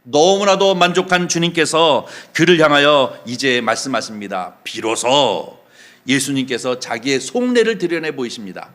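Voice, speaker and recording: A man's voice: mid-range voice, expressive, moderate pace, fairly bright tone. A male pastor preaching a sermon, leading the congregation in reading and acting out quoted dialogue with feeling. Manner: leads the congregation in reading aloud.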